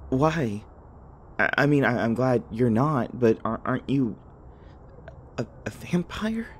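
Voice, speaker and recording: A man's voice: mid-range voice, lively intonation, slow, slight background noise. A man acting a nervous, rambling young human in an audio roleplay, stammering as he talks to the listener. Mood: nervous awe. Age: young adult.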